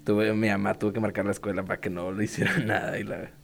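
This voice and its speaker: A man's voice: lowish voice, level tone, fast talker, vocal fry, a little hiss or hum. Young Mexican guy, casual chat, slangy, laughs easily. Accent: Mexican Spanish. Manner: laughing, slangy, quotes himself and others. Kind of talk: casual chat, telling a school story.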